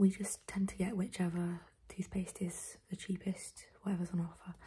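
Soft-spoken, a woman talks at a moderate pace in monotone, flat intonation over light background noise. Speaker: YouTuber. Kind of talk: casual vlog chat, product talk. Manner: soft, hushed ASMR voice, close to mic. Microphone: phone near.

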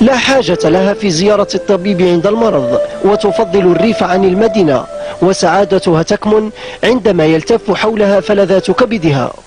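The speaker keeps a moderate pace with ordinary pitch variation and very even loudness. Music plays in the background. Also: man, high pitch for a man. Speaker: TV reporter. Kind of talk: TV news report narration.

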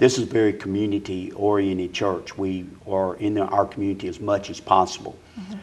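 Speaking in a Southern US accent, a man keeps his voice fairly low. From Mississippi Gulf Coast. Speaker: pastor. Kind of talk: casual interview. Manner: halting, many fillers. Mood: warm, earnest. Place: church. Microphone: lapel.

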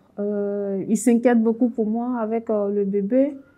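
A woman's fairly high voice, dark and mellow in tone, with monotone, flat intonation. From Ivory Coast. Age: 20s. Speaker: migrant mother. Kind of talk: testimony.

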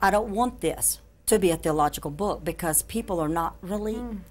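Her intonation is lively, and the woman's voice sits at a medium pitch. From US South, Mississippi near Memphis. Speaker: minister and author; guest, minister. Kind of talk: TV talk show interview. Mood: earnest, animated. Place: studio.

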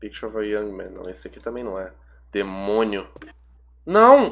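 A man has a plain, everyday voice with a fairly low pitch, fairly even intonation and a moderate pace. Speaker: game streamer. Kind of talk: casual gameplay commentary. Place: home room.

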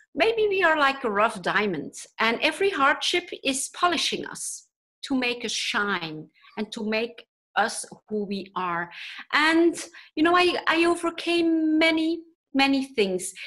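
Projecting a raised voice with a bright, sharp tone, a woman speaks at a fairly slow pace with very wide pitch swings over a quiet background. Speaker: coach, podcast guest. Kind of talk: interview answer. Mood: reflective, emotional personal story. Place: home room. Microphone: webcam.

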